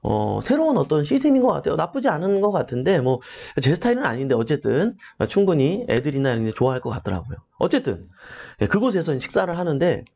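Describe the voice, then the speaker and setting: A man's voice: fairly high pitch, sing-song, quick pace, creaky, a little mellow. A middle-aged man hosting a live morning talk on property auctions, telling a personal story and turning to address his listeners directly. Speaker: real estate auction educator hosting a live morning show. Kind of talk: motivational talk with a personal anecdote.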